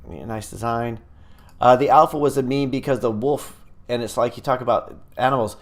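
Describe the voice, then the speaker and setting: A man's voice: medium pitch, normal speed. Rambling man on a live stream. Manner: rambling and hesitant, many fillers and restarts. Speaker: app developer hosting a live stream. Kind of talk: casual live-stream chat, reading viewer comments.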